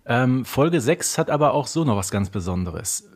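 Man, mid-pitched voice, podcast co-host, conversational, storytelling delivery, rhetorical questions. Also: big pitch swings, moderate pace, husky. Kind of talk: conversational discussion of an audio drama series.

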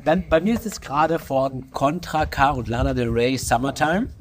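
A man with a cold, a wedding videographer chatting as a podcast guest, enthusiastic and quick to chime in. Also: medium pitch, slight background noise. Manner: enthusiastic, eager interjections. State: has a cold, coughing. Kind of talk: casual chat.

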